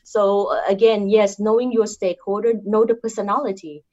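A woman's voice: mid-range voice, level tone, brisk, a little mellow, highs cut off. A woman with a Thai accent, a guest in an interview giving career advice in an earnest way, often ending points with "right?". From Thailand. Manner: earnest, repeats points with tag questions.

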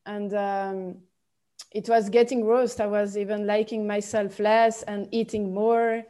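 Soft-spoken Swiss French woman, slow and mellow. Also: mid-range voice, level tone. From Switzerland. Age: 20s. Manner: halting, many fillers and restarts. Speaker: guest. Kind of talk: podcast interview.

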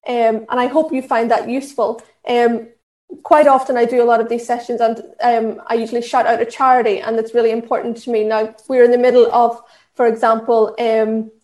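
Irish woman running a training session, earnest, kinda high voice, echoey room. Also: level tone, brisk, darkish tone. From Ireland. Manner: earnest, instructive, with many fillers and restarts. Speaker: diversity and inclusion trainer. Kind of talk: talk at an online session.

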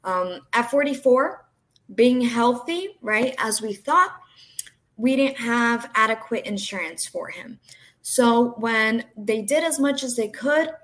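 A young woman from Brazil whose first language is Portuguese, speaking with a New Jersey accent. Her voice sits a little high, and she talks earnestly, filling pauses with "um". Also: lively intonation, fairly bright tone. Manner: earnest, frequent "um" fillers. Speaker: health insurance agent, guest. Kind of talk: podcast interview, personal story.

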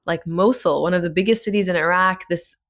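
Low-voiced earnest woman professor. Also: brisk, a bit bright. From Egypt. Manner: thoughtful, earnest, uses fillers like um and like. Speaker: political science professor. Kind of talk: interview answers.

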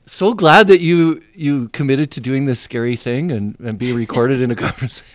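A man co-hosting a casual podcast interview, animated and laughing. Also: medium pitch, moderate pace, no echo. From Canada. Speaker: podcast co-host.

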